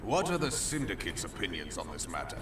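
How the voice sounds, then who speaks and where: A man acting a sober, cautious councillor in a fantasy game, formal and measured. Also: low voice, big pitch swings, noisy background. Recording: distant, roomy game audio under music.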